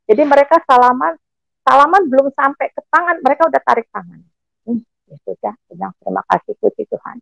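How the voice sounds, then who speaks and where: Older woman in her sixties, a guest sharing her testimony. Gravelly, lively storyteller who plays out past dialogue. Dry, close recording. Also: sits high, quick pace, no room sound. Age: 60s. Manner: animated, acts out the dialogue she recalls. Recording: dull lo-fi recording with faint music.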